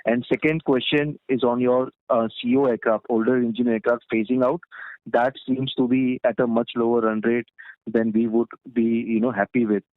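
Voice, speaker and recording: A man's voice: mid-range voice, level tone, normal speed. A man speaking as an analyst, asking questions politely and deferentially on a conference call, often repeating words. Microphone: telephone line. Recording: roomy, echoing phone-like line.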